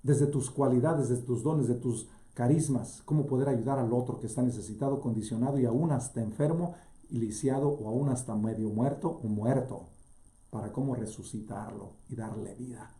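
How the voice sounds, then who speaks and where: A man's voice: mid-range voice, normal speed, dark tone, echoey room. A man, a priest, preaching an earnest sermon with frequent restarts, reading scripture passages in both Spanish and English.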